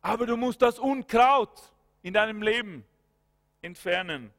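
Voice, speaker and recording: A man's voice: sits high, a little slow, fairly bright tone. A man preaching a fervent sermon, breaking into prayer and peppering his points with hallelujahs and amens. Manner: breaks into spoken prayer and commands. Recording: long hall reverb.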